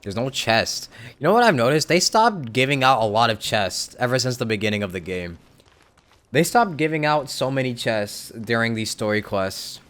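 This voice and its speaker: A man's voice: medium pitch, expressive, moderate pace, a bit bright, clean tone. A man streaming gameplay, reacting casually and thinking aloud as he plays. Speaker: game streamer. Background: faint game music.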